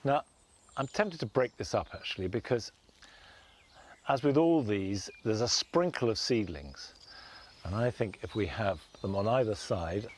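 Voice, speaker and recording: A man presenting a gardening show outdoors in a garden, talking gently and with measured enthusiasm. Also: mid-range voice, slight background noise. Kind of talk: relaxed instructional garden presenting.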